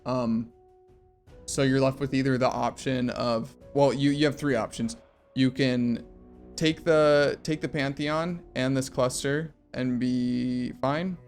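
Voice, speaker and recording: A man's voice: medium pitch, steady tone, takes it slowly, soft background music. A tired young man who is losing his voice, casually walking through a game character build at his computer with lots of ums and uhs. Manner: rambling, filler-heavy explanation. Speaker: game build guide creator. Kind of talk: casual game guide walkthrough. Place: home room at a computer.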